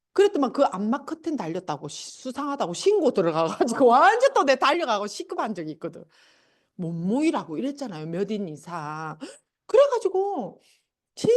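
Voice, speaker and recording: A middle-aged woman, giving a motivational sales seminar talk and telling stories animatedly, acting out her family members. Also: fairly high pitch. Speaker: seminar speaker.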